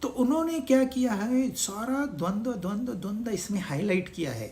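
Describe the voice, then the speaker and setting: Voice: medium pitch, lively intonation, moderate pace, darkish tone. A spiritual teacher giving a scripture discourse, asking the listeners rhetorical questions and mixing English words into the talk.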